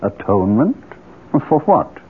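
Swooping, imperious cult leader. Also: male voice, fairly low pitch, very animated, a little hiss or hum. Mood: cool interrogation. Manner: formal, pompous, measured oratory. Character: imperious, suave male leader of secretive moral-crusade society. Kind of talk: 1970s radio drama acting. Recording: tinny 1970s radio broadcast.

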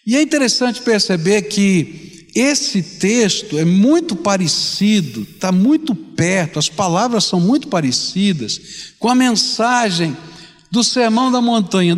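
An older Brazilian man preaching a fervent sermon to his congregation, often asking them direct questions. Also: high voice. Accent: Brazilian Portuguese. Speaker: pastor. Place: large church sanctuary. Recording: long reverb of a large church hall.

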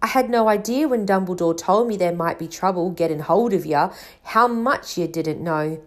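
Woman acting big gruff man, storybook character, kind-hearted, fiery yet anxious, folksy dropped consonants, rambling colloquial talk. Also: mid-range voice, measured pace, natural voice.

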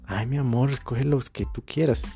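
A woman's voice: rumbling low, moderate pace, creaky, warm tone. A woman voicing a doting, generous young boyfriend in a comedic sketch. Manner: soothing, eager to please.

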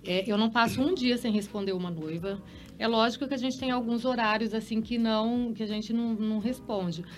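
A woman's voice: a little high, a little fast. A middle-aged woman wedding planner chatting casually and earnestly about weddings. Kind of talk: casual panel chat.

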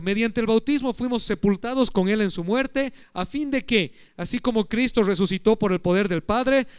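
A man's voice: high voice, clean tone, no room sound, studio quality. A man preaching a sermon in church, teaching and asking the congregation questions. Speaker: pastor.

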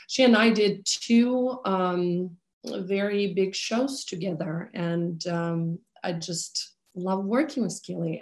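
Chatty woman with roomy echo. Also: medium pitch. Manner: hesitant, many fillers, laughs easily. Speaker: opera conductor and pianist, interview guest. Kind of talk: casual conversational interview.

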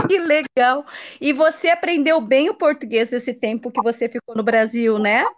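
High-voiced, encouraging woman interviewer. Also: measured pace, muffled recording. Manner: exclamatory, encouraging, talking to children. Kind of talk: casual interview chat.

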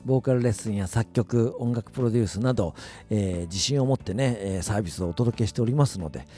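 A man's voice: lowish voice, fast talker, dark tone, faint music behind. A man giving a chatty solo radio-style talk in very polite, formal phrasing, with a self-deprecating manner. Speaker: radio-style talk host, music producer and voice coach.

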